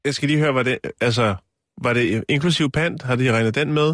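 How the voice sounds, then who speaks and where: En mandlig medvært i en komisk radiosnak, der kommer med korte, tørre indskud og drillende spørgsmål. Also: male voice, medium pitch, fairly bright tone, dry recording. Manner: short dry interjections and teasing questions. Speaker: radio comedy co-host. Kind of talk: improvised comic radio banter. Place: radio studio.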